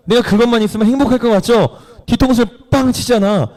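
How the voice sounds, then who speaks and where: A man's voice: extremely high pitch, quick pace, a little mellow. A man preaching a sermon in church, retelling a story with playful questions to the congregation and acted-out voices. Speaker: pastor.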